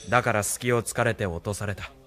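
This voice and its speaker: A man's voice: fairly low pitch, fairly even intonation, fairly quick, a bit bright, soft background music, lightly acted. An actor playing a proud young male pilot officer who answers in blunt, clipped lines in an anime radio drama. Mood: resolute. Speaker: military pilot, lieutenant.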